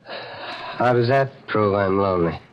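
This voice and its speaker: An actor playing a nervous, lonely window dresser turned killer in old-time radio horror, speaking hesitantly with stammers. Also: male voice, fairly low pitch, measured pace, natural voice. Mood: anxious, eager. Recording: muffled vintage radio, organ music behind.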